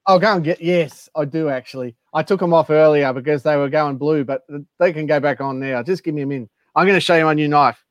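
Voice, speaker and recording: A man's voice: fairly high pitch, fast, hardly any pauses, dry recording. A man in casual, matey chat with friends, blokey and often repeating himself. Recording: dry, dull lo-fi sound.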